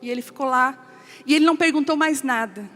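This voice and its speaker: A woman pastor giving an emotional testimony sermon, telling a family story and quoting relatives in a softer voice. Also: high voice, fast. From Brazil. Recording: long hall reverb with soft music.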